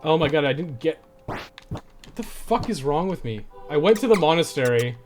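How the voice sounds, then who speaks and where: A man's voice: fairly high pitch, expressive, normal speed, faint music behind. A man chatting casually as he streams a game, rambling and swearing freely as he goes. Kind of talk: casual livestream chat while playing.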